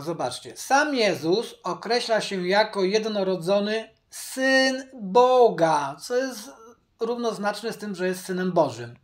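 Slow, deliberate male Bible teacher. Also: high-pitched. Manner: deliberate, repeats key points, addresses viewers directly. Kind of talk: Bible study commentary.

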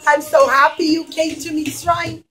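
Woman as boastful storybook king, high voice, emphatic declaiming, children's puppet show. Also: level tone, measured pace, fairly bright tone, faint music behind. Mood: grand, proud.

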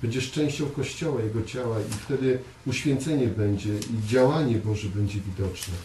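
A man preaching a conversational sermon to a small congregation, earnest, often repeating words and pausing on fillers. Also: medium pitch, dark tone. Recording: echoey room, voice from far off, faint hiss.

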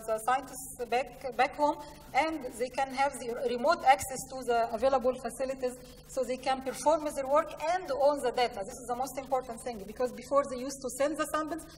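Female conference speaker, Egyptian accent, slightly high voice, halting delivery, picked up at a distance in a reverberant hall. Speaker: conference speaker, science programme representative. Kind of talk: conference presentation with slides. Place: large conference hall, indoors. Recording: echoey hall, distant mic, faint noise.

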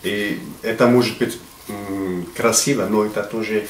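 Moroccan guy, arabic native, searching for words, lowish voice, faint hiss behind. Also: fairly even intonation, moderate pace. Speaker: guest. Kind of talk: casual conversation. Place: living room with curtains, indoors. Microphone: far camera. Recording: roomy, distant, faint background hiss.

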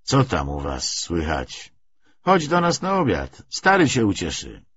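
Man reading as a swaggering, animated young cavalryman. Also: sits low, a little slow, husky, no echo, heavily acted. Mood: hearty. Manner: boastful, hearty. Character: swaggering young cavalry veteran telling war tales. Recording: slightly dull, muffled recording.

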